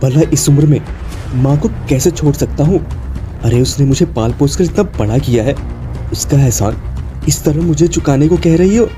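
A man's voice: a little high, lively intonation, moderate pace, dark tone, soft background music. A man narrating a cartoon moral story and voicing the husband, firm and reproachful in his lines.

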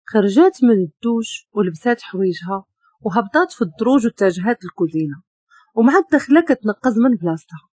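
Moroccan woman narrator, expressive, warm husky voice, dry close recording. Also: medium pitch, fast, no room sound. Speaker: storyteller. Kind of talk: story narration.

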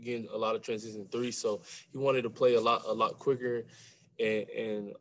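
A young college basketball player answers postgame press questions softly, his voice low and flat at normal speed, often repeating a word or two when starting phrases. He's in a small room with a sponsor backdrop, heard through a webcam on a video call.

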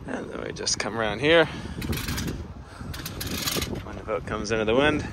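A man's voice: fairly low pitch, normal speed. Laid-back man vlogging over boat noise. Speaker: sailing vlogger. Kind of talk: casual vlog narration. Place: outdoors on a small sailboat at sea. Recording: noisy boat outdoors, engine and water. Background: boat and water noise.

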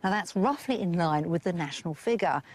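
A woman's voice: fairly low pitch, animated, a little fast. A woman presenting a property show outdoors in the countryside, upbeat and chatty, on a lapel mic. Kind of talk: presenting to camera.

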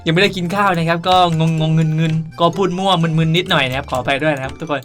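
Young male gaming host, bright delivery, playful and chatty tutorial commentary over light music. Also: a little high, quick pace. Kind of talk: casual game tutorial commentary.

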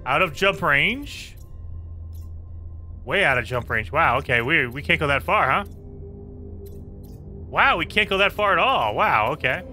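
A man hosting a gaming channel, chatting casually through gameplay, his voice a bit raspy and hoarse today. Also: on the high side, animated, measured pace, long pauses, pushed and bright, soft background music. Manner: chatty, talks to viewers while playing. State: slightly hoarse.

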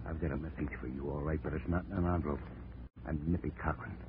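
An actor playing a menacing, defiant hoodlum in a terse, tough 1940s radio drama style. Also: male voice, extremely low pitch, fairly even intonation, fast talker. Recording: muffled, noisy 1940s radio recording.

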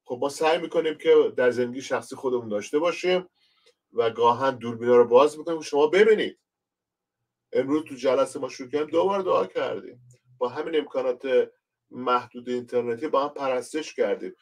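A man's voice: mid-range voice, recorded from a distance. A man from Iran, a pastor, giving a conversational online Bible lesson and speaking directly to his listeners as he explains.

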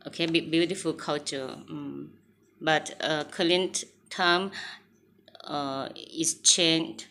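A woman in her forties with a Thai accent, talking haltingly to camera in English, with many fillers and restarts. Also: low voice, steady tone, sharp tone, a little hiss or hum. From Thailand. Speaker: vlogger. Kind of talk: casual talk to camera. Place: small room indoors.

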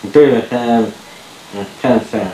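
A middle-aged man taking part in a study, repeating sentences and chatting in a slow, carefully articulated way. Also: medium pitch, fairly even intonation, warm tone. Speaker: research participant. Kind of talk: repeating sentences and casual chat. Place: small lab room indoors. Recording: echoey room, faint tape hiss.

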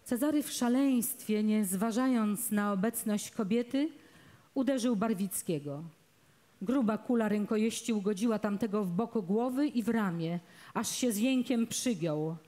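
A woman, an actress, reading a novel aloud in a measured, dramatic storytelling manner, outdoors in a public garden. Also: medium pitch, mellow. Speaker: reader, actress.

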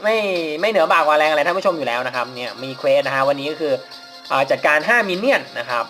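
A man's voice: fairly high pitch, lively intonation, quick pace, bright, forceful tone, soft background music. A man casually commentating as he plays a mobile game, polite and chatty, laughing at his own mistakes. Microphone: phone mic while playing on a phone.

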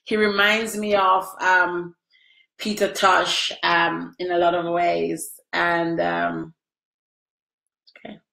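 Sniffly middle-aged woman, lower voice, livestreaming from an echoey room at home. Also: level tone, slow, creaky, bright, forceful tone. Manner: chatty, emotional, addresses viewers by name. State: sniffly after crying. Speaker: livestream host answering viewers. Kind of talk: casual live video chat. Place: small room at home, indoors. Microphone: webcam at close range.

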